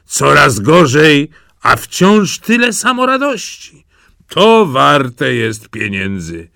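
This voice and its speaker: A man's voice: on the high side, sing-song, slow, creaky, bright, forceful tone, no room sound, studio quality, voice pushed up, full character voice. A man voicing rich, scoffing foreign gamblers in a storybook reading. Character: rich, wagering foreign men.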